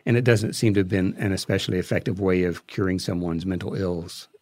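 A man's voice: sits low, fairly even intonation, brisk, a little mellow, no room sound, clean studio sound. A man giving a conversational explanation as an interview guest, choosing his words hesitantly and thoughtfully. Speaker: interview guest, filmmaker and podcast creator.

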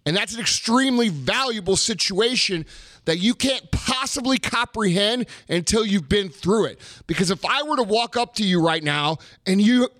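A motivational speaker with a high, slightly bright, expressive voice delivers a blunt, profane rant at a moderate pace. He swears heavily and drives his points home through emphatic repetition, on a dry recording.

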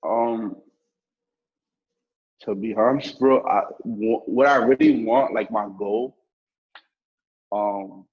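Young New York guy, twenties, low and husky, slangy casual chat, muffled audio. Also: slow, pauses often. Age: 20s. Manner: slangy, profane, loose and laid-back. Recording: muffled lo-fi sound.

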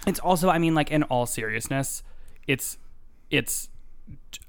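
A man's voice: fairly high pitch, lively intonation, a little slow, smooth. A man co-hosting a casual podcast, talking in a rambling, filler-heavy, joking way. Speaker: podcast co-host.

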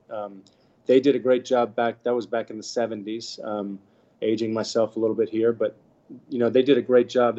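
A man in his fifties from the Bahamas, telling his story in a relaxed, chatty interview with lots of fillers. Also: mid-range voice, highs cut off. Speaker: guest, former tennis pro. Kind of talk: casual interview talk.

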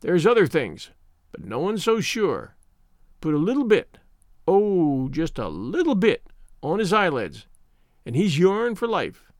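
A man's voice: on the high side, huge pitch swings, unhurried, dry recording, studio quality, exaggerated voice. A man voicing a scheming old woman witch who speaks in a folksy rustic dialect. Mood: sly.

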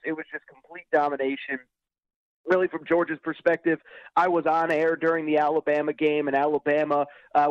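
A man's voice: a little high, no room sound, lo-fi sound. A man giving emphatic, conversational sports commentary as a guest analyst, repeating words for effect. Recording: slightly band-limited dry remote line.

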